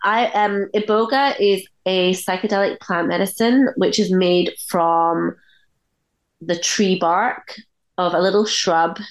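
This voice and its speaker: A woman with a fairly low, husky voice, hoarse from a bad cold. She hosts an interview podcast and speaks to her guest in an effusive, appreciative way. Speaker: podcast host.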